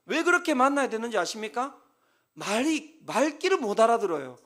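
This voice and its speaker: A man preaching a Sunday sermon as pastor, lively and emphatic, at times shouting as he acts out counseling talks. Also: extremely high pitch, fairly quick.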